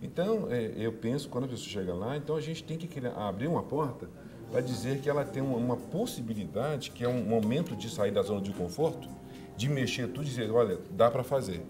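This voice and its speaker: Pastor on a talk show, mid-pitched man, lively pitch, music bed underneath. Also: brisk. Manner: upbeat promotional delivery with laughs. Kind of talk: casual talk-show chat and church announcements.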